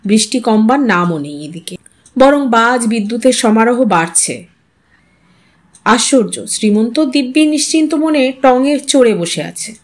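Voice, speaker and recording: Woman, higher pitch, expressive audio story narration, storyteller. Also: a little slow.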